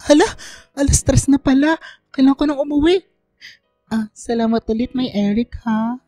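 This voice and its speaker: A woman's voice: high voice, moderate pace, dark tone, dry recording, soft background music, natural voice. A woman playing an insecure young gay student in an emotional, hesitant radio drama performance. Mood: giddy, flustered. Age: young adult. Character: tipsy, insecure young gay student, self-doubting and giggly.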